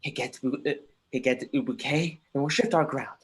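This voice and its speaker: A man playing an intense young prince delivers Shakespearean verse during a livestreamed dramatic reading, in a medium-pitched, husky register. He is wry, erratic and urgent, impassioned yet halting, stumbling over lines. The audio comes from a remote livestream.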